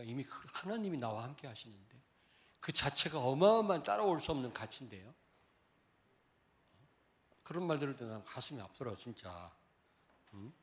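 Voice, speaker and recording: A man preaching a sermon to his congregation, chatty and direct, jumping from loud outbursts to quiet, murmured asides. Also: medium pitch. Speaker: pastor. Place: church sanctuary.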